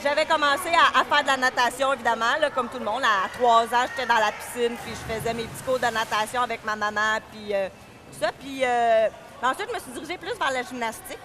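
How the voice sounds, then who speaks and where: A woman's voice: a little high, fast talker, background noise. A woman in her thirties with a Québécois French accent, talking casually as an interview guest, hesitant with many fillers and restarts. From Quebec, Canada. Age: 30s. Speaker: guest, diving club vice-president and coach. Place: indoor pool area.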